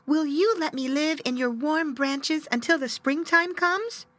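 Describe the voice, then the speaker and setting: Small hurt bird voiced by a woman, high voice, pleading, storybook reading. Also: a little slow, fairly bright tone, no echo. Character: small injured male bird, pleading and timid.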